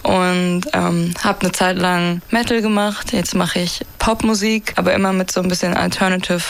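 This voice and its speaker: A young woman from Berlin, a musician guest, chatting casually in a relaxed, rambling way, a bit tired. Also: lowish voice, normal speed, gravelly. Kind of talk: casual interview chat.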